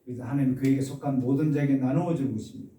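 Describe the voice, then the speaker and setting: A man preaching an expository sermon as a pastor. He stresses key words with loud exclamations and asks the congregation questions. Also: mid-range voice, fairly even intonation, rapid-fire, noisy background. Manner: asks the congregation questions and has them repeat phrases. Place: church sanctuary. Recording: echoey church room, mic at a distance.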